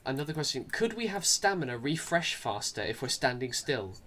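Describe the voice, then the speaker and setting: A man hosting a live stream, reading viewer questions in an even, dry manner with a touch of sarcasm. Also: mid-range voice, brisk, background noise. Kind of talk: casual live-stream chat.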